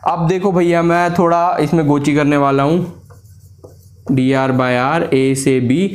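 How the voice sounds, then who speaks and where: A man's voice: a little high, steady tone, slow. A man teaching physics at a board, walking students step by step through a derivation and mixing English formula terms into his speech. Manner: talks students step by step through a derivation, calling them sir and beta. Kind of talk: blackboard lesson. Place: classroom at a board.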